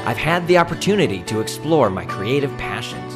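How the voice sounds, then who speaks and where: A man's voice: mid-range voice, big pitch swings, fairly quick. A man reading an upbeat scripted promotional voice-over. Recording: voice-over with guitar music.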